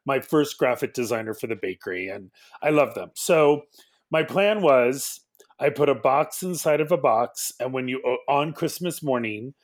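A man's voice: medium pitch, animated, normal speed. A man telling a personal story casually as a podcast guest.

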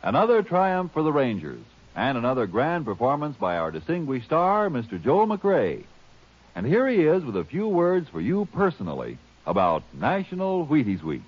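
A man's voice: mid-range voice, wildly swooping pitch, moderate pace, breathy edge. A man delivering chatty, emphatic sales talk as a 1950s radio announcer. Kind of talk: folksy 1950s radio advertising. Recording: muffled 1950s radio recording.

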